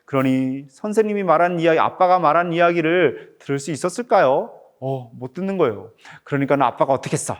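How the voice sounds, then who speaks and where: Lively middle-aged man reading to kids. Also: a little high, brisk, few pauses. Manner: animated, questioning the listeners like a teacher. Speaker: picture book author. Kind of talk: reading a picture book aloud to children.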